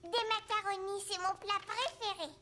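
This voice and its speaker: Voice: very high voice, fairly even intonation, moderate pace, background noise. A performer voicing a curious, cheerful four-year-old boy in a children's cartoon, with earnest, simple, childlike phrasing. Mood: playful, content. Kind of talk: children's cartoon dub acting. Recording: music behind the voice.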